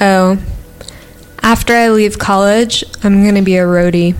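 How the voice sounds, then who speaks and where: With music in the background, the speaker is soft-spoken and deadpan, keeping a fairly even intonation at a very slow pace. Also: woman. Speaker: guest. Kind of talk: script read and casual chat.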